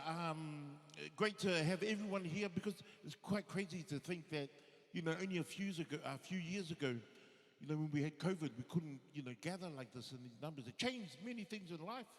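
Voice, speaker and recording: A man's voice: sits high, a bit bright. A man, doing a laid-back, self-deprecating stand-up set on a theatre stage. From New Zealand, Samoan family. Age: 50s. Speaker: stand-up comedian. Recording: long hall reverb.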